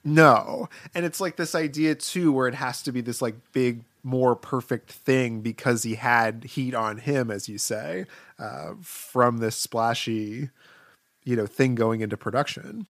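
A man with a mid-pitched voice in a casual film discussion, recorded dry and close. He talks as a podcast co-host, hedging his points in loose, conversational phrases. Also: unhurried, a bit bright, dry recording.

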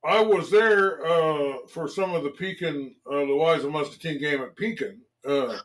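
A man's voice: a little high, unhurried, rough recording. Laid-back man talking local sports. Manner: relaxed, lots of fillers and restarts. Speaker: sports radio host. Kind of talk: casual sports talk.

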